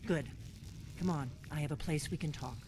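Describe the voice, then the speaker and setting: An actress playing a commanding veteran resistance fighter in a video game, speaking in a brisk, businesslike manner. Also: female voice, sits low, noisy background, close to an everyday voice. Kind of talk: video game character acting.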